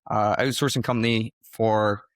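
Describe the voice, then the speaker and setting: A man's voice: lowish voice, steady tone, moderate pace, no echo, clean studio sound. Upbeat man hosting a podcast. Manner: upbeat, enthusiastic, chatty. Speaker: podcast host. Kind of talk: casual podcast interview.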